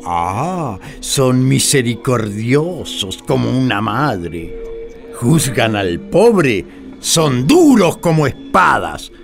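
A man's voice: mid-range voice, vocal fry, exaggerated voice. A man playing an indignant prophet who denounces priests in a religious radio play, declamatory and sarcastic.

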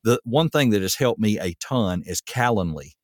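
A man's voice: lowish voice, normal speed, dry recording, clean studio sound. A man hosting a podcast, chatting casually in a rambling way with plenty of fillers. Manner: rambling, relaxed, lots of fillers. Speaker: podcast host. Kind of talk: casual chat.

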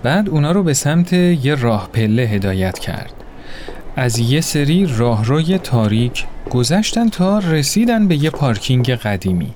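A man narrating a story in an expressive, acted-out way. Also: medium pitch, a little hiss or hum. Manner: expressive, voices characters.

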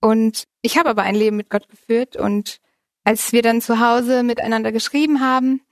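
A woman in her early thirties speaks as an interview guest, telling a personal story with frequent laughter. Her voice sits fairly high. The recording is dry and close. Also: fairly even intonation, normal speed, no echo.

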